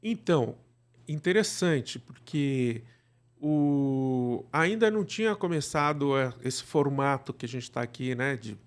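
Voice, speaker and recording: A man's voice: medium pitch, lively intonation, unhurried. A Brazilian man explaining things conversationally as an interview guest, often checking for agreement with little tag questions. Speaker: interview guest, radio drama director.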